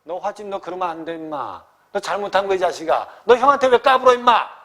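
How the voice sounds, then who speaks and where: A man's voice: mid-range voice, fast talker, pitched below the performer's own voice. A man voicing a rude, bullying young elder brother who drinks and picks on his sibling. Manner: rough, bullying.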